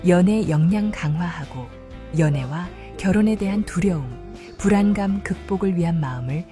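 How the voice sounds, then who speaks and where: A woman narrating a documentary in a calm, measured, formal tone. Her voice sits fairly low and sounds mellow and warm, with faint music underneath.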